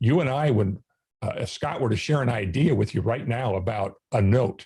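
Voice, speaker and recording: His voice is somewhat breathy, with a dark, mellow tone, medium pitch and ordinary pitch variation for this man. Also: moderate pace. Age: 60s. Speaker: marketing speaker. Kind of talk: conference presentation.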